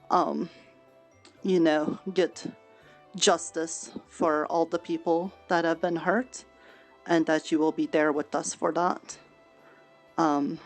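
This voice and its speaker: A woman speaking in character in a roleplay session, talking to a gathered town in a gentle, halting, earnest way. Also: on the low side. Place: virtual world roleplay session.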